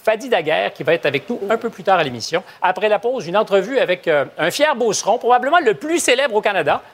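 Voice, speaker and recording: A man with a Québécois accent hosting a studio panel debate, lively and probing, joking with his guests. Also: high voice, quick pace. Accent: Québécois French. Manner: lively, asks probing questions, jokes with guests. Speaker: talk show host. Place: TV studio with live audience.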